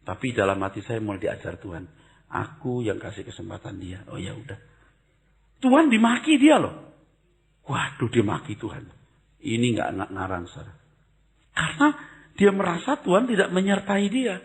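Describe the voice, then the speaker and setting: Animated older male preacher. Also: on the low side, a little fast, vocal fry. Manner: conversational preaching, swings from loud exclamations to hushed asides. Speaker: pastor. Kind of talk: sermon.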